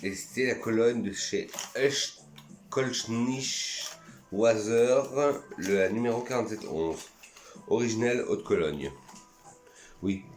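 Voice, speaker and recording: A chatty, enthusiastic man from France talks casually through his collection in a slightly low voice. The room is echoey, with soft music faintly underneath. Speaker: perfume YouTuber. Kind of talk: casual vlog review.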